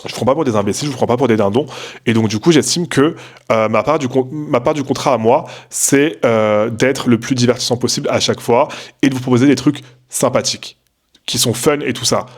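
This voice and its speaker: Fast-talking young man rambling. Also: mid-range voice. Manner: rambling and slangy, many fillers and restarts. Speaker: content creator. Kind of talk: casual late-night vlog rant. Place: at home.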